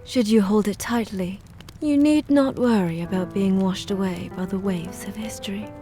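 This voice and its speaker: A woman playing a pale, eerie, courteous maid in an audio drama, with formal, archaic, measured speech. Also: medium pitch, warm tone, natural voice. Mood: courteous, inviting. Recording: music behind the voice.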